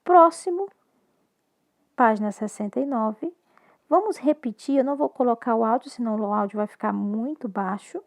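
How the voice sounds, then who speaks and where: Speaking in a voice that's a little high, a woman gives a recorded English lesson with a Brazilian Portuguese accent. She moves between English and Portuguese, keeping her delivery slow and clear.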